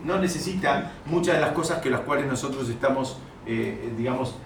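A man's voice: medium pitch, moderate pace, slight background noise. A man with a Rioplatense Spanish accent teaching a Torah class, posing questions to his students and often rephrasing as he explains. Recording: roomy recording with mic at a distance.

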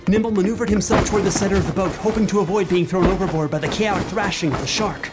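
A man narrating a fantasy horror adventure as game master, in grand, measured literary storytelling. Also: high voice, over loud music.

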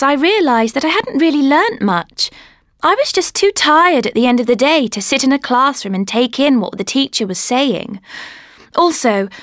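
A woman narrates in a clear, steady way. Her voice is somewhat high and full of movement. The recording is dry and close. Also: no echo. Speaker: speaker in a listening exercise. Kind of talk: scripted monologue.

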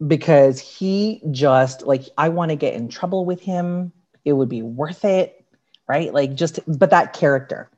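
A woman's voice: rumbling low, darkish tone. A woman chatting casually as a guest on a podcast. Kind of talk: casual chat. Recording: dull, lo-fi audio.

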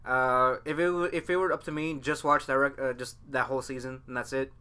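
A man's voice: medium pitch, fairly even intonation, fairly quick, sharp tone, clear, resonant tone. A young man chatting casually about anime, explaining in a rambling, repetitive way. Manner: rambling, repeats phrases while explaining.

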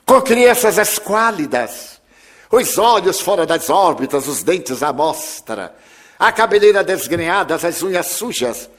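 A man telling a story in an expressive, theatrical way, acting out the characters. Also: sits high. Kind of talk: dramatic storytelling.

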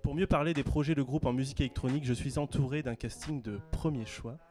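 A man hosts a casual radio chat show, introducing guests in a relaxed, hesitant way full of fillers. His voice sits at an ordinary middle pitch. Faint music plays behind him. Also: fast.

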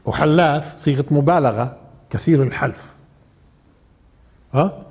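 Older male Quran teacher, high pitch, conversational lecturing. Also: a little slow, darkish tone, breathy edge. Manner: conversational, asks the audience questions. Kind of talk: informal religious lesson.

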